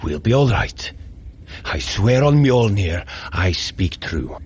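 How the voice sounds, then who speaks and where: An actor playing a brave, protective Norse thunder god in an audio drama, speaking in a solemn, formal, declamatory way. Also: male voice, fairly low pitch, sing-song, slow, a little hiss or hum. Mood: reassuring. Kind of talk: scripted audio drama acting.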